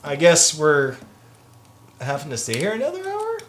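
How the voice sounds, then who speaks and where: A man with a slightly high, reverberant voice and huge pitch swings guests on a casual livestream from a workshop. Joking in a slow, drawn-out way, he reads viewer comments aloud from the chat.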